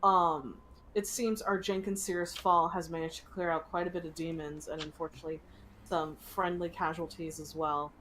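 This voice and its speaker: A woman game master improvising descriptive narration for a tabletop game in a halting way. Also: deep voice, little pitch movement, a bit bright, slight background noise, poor audio.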